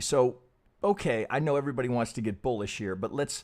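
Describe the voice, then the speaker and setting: Over a silent background in a very clean recording, a man talks fairly quickly at a medium pitch with lively intonation. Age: 60s. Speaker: trading analyst streamer. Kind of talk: live stream technical analysis. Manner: halting, many fillers and restarts.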